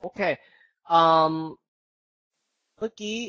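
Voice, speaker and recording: A man teaching an online IELTS speaking class, coaching and giving slow, clear model answers. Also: bright, forceful tone, no echo, lo-fi sound. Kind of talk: live online language lesson.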